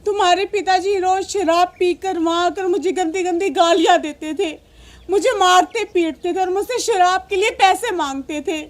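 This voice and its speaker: A woman acts out a poor, long-suffering mother in a melodramatic family drama. Her voice is extremely high. She speaks in a pleading lament, full of despair. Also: measured pace. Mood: tearful, despairing. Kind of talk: melodramatic Hindi drama acting.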